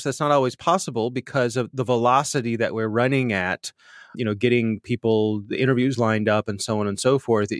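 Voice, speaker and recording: A man hosting a podcast, chatting with self-deprecating humor and getting animated when he tells stories, with a slightly nasal voice. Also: mid-range voice, dry recording, studio quality. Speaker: podcast host. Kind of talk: conversational interview answers.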